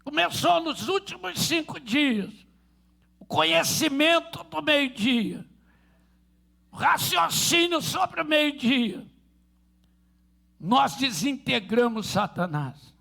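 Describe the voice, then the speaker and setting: A pastor with a Rio de Janeiro accent preaching a fervent sermon and telling stories. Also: male voice, very high-pitched, animated, slow pace, vocal fry, long pauses, pushed and bright. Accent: Rio de Janeiro Portuguese.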